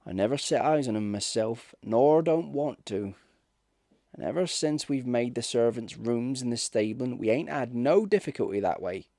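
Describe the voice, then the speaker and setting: A man's voice: mid-range voice, lively intonation, normal speed, dark tone, no room sound, clean studio sound, close to an everyday voice. A man voicing a superstitious, deferential country innkeeper in a ghost story, speaking in folksy dialect. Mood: anxious pleading. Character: rustic English innkeeper, superstitious, deferential and reproachful. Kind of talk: ghost story audiobook character.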